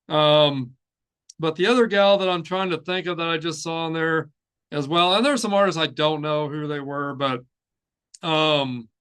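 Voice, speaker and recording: Man, fairly high voice, smooth and clear, casual news host, halting, rambling. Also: fairly bright tone. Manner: halting, rambling, repeats phrases. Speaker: host of a heavy metal news show. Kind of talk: casual off-the-cuff news commentary.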